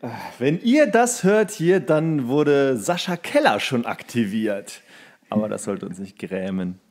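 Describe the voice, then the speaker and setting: A man's voice: medium pitch, big pitch swings, measured pace, darkish tone. Casual, joking man on a podcast. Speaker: podcast co-host. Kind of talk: casual chat.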